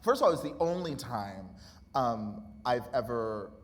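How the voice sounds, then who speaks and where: Animated, candid man in a reverberant hall. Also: mid-range voice, normal speed. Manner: animated, candid, laughs often, acts out remembered dialogue. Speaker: author guest. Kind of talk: live conversational interview. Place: college auditorium. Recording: reverberant hall with faint noise.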